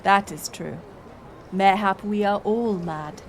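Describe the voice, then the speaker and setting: A woman's voice: medium pitch, a little hiss or hum. A woman playing a playful, curious village woman in a romantic audio roleplay, speaking in archaic thee-and-thou English. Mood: teasing, puzzled. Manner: archaic thee-and-thou speech, slow and musing. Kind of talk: romantic audio roleplay acting addressed to the listener.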